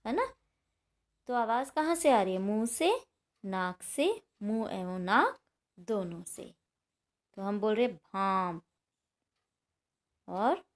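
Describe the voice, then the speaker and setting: Woman schoolteacher, slow patient delivery with a lively, rising and falling voice, a little high. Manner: slow and patient, sounding out words aloud. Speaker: teacher. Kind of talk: explaining a class-six grammar lesson.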